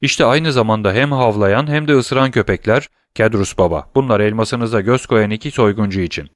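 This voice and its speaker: A man's voice: lowish voice, moderate pace, no room sound, clean studio sound, natural voice. A man voicing a courteous, self-assured travelling jeweler. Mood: confident.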